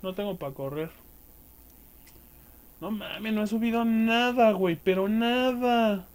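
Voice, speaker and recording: A man's voice: sits high, slow. A man with a Mexican accent giving casual, crude, slang-heavy commentary while playing a game. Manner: crude slangy banter, swearing at enemies. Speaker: gameplay streamer. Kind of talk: casual let's-play commentary.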